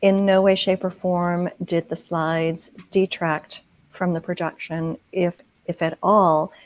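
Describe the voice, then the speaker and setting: Female theater actor from New England, middle-aged. Deep register, emphatic and conversational. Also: flat delivery, slow pace. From New England, United States. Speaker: community theater actor, interview guest. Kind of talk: casual interview chat.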